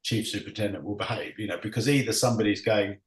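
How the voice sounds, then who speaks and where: A man's voice: on the low side, fast talker. A man chairing an online panel discussion, stumbling over his words with many repeats and frequent laughter, heard over a video call. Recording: roomy echo.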